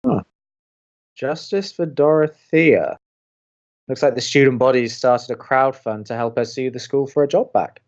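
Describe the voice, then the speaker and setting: A man's voice: mid-range voice, unhurried, darkish tone, dull audio, close to an everyday voice. A man playing a sardonic, protective young college radio co-host in an audio drama, with a dry, sarcastic manner.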